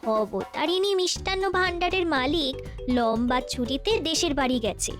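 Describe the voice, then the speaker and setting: A woman's voice: high-pitched, animated, moderate pace, over music. A woman voicing an eager, know-it-all child in a comedy cartoon, teasing and explanatory. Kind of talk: animated comedy cartoon acting.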